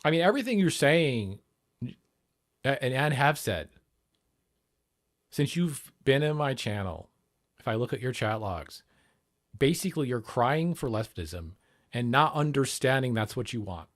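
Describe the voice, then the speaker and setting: A man's voice: medium pitch, sing-song, a little slow, pauses often. Argumentative man hosting a livestream. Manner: argumentative, rambling, swears. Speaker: livestream host. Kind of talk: casual political livestream commentary.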